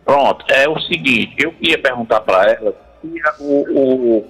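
A man calling in to a radio show over a landline phone, asking a question in a hesitant, halting way. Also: mid-range voice, fairly bright tone, slightly rough, faint music behind, rough recording. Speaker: radio call-in listener.

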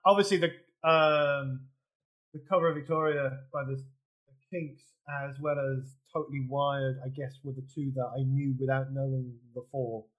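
A man hosting a music podcast, steering the talk with halting questions and restarts. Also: mid-range voice, steady tone, lo-fi sound. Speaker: podcast host. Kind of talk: casual chat.

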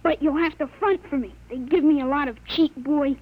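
High-pitched, precocious boy acted by a woman. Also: a little fast, natural voice. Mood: assured, insistent. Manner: earnest, articulate, self-assured. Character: precocious, confident thirteen-year-old boy. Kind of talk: 1950s radio drama acting. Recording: dull vintage 1950s radio recording.

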